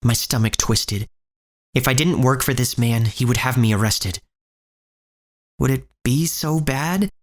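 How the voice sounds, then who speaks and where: A man's voice: medium pitch, measured pace, pauses often, natural voice. A man playing a wary young street thief who tells his own story as scripted audio drama narration. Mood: uneasy. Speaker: narrator and lead actor. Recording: music bed under the voice.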